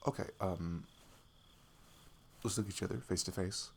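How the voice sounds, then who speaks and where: A man playing a shy, affectionate young best friend in an intimate ASMR roleplay, speaking softly and haltingly with a giggly manner. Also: sits low, creaky. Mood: earnest, careful. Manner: halting, giggly, soft-spoken. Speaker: audio roleplay performer. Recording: faint noise, night crickets behind. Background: crickets and night insect ambience.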